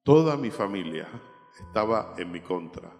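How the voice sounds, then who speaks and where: A man's voice: fairly low pitch, animated, moderate pace, a little mellow, faint music behind. A male pastor telling a personal testimony in a sermon, with emotional storytelling that rises and falls. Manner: emotional storytelling, voice rising and dropping. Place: church. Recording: reverberant church hall with instrument behind.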